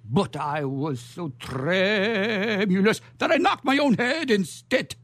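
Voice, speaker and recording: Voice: mid-range voice, lively intonation, slow pace, fairly bright tone, no room sound. An actor playing a tipsy, one-eyed gypsy man who rambles comically in a radio theatre melodrama. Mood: tipsy, boastful.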